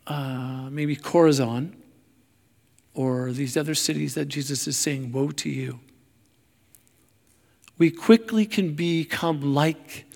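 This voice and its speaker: Slow, gravelly male preacher in a reverberant hall. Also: a little high, a little mellow. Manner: halting, searching for words, self-deprecating. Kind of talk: sermon.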